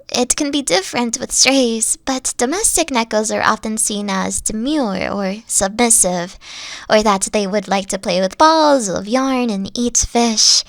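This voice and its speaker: Woman voicing a soft-spoken kitsune girlfriend. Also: fairly high pitch, creaky, dry recording. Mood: thoughtful. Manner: soft-spoken, hesitant, explains carefully. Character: gentle three-tailed fox-girl girlfriend, thoughtful. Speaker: voice actor. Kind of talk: ASMR audio roleplay.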